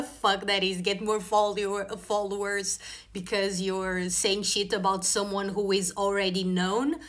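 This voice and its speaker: A woman with a non-native accent talks at a fairly slow pace and medium pitch. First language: not English. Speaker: spiritual vlogger. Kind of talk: casual monologue vlog. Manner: informal, conversational.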